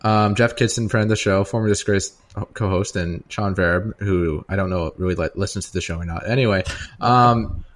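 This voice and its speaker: Guy podcasting with a lowish voice, slangy casual storytelling. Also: normal speed. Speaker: podcast co-host. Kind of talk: casual banter and anecdotes.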